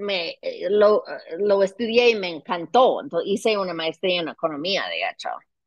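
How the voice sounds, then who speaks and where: Fairly slowly, a woman with an English accent speaks at a medium pitch with ordinary pitch variation. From US Midwest (Detroit, Michigan). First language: English (speaking Spanish). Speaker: business executive. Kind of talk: interview. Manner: talkative.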